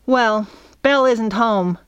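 A woman's voice: on the high side, slow pace, fairly bright tone, clear, resonant tone, no room sound, highs cut off, pitched above the performer's own voice. A woman voicing a firm, practical young girl who leads the group. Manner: firm, matter-of-fact. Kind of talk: audiobook character voice.

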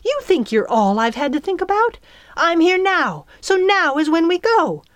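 A woman's voice: a little high, big pitch swings, moderate pace, no room sound, voice pushed up. A woman voicing an irritable, imperious old female fairy in a storybook, brusque and snappish. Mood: angry.

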